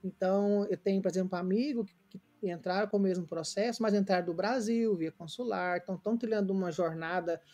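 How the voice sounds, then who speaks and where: A man's voice: high-pitched, fast talker, mellow, muffled recording. A Brazilian man in his late thirties from Goiânia, an interview guest telling his story earnestly and reflectively, with many fillers and restarts. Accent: Brazilian Portuguese. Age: late 30s. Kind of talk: casual remote interview, storytelling.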